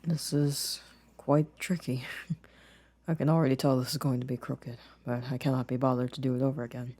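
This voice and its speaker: A gentle young boyfriend played by a man in an ASMR roleplay, with a medium-pitched voice. He speaks softly and a little hesitantly, choosing his words carefully, shy and caring. The recording is very dry and intimate. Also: level tone, normal speed, no room sound, close to an everyday voice. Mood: calm, modest. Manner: soft, hesitant, careful formal phrasing.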